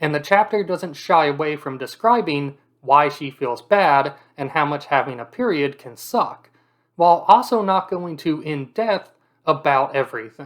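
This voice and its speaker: Lively intonation and big swings in loudness at a moderate pace, on a very clean recording with a silent background. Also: man, fairly high pitch for a man. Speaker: manga reviewer. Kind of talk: scripted review narration.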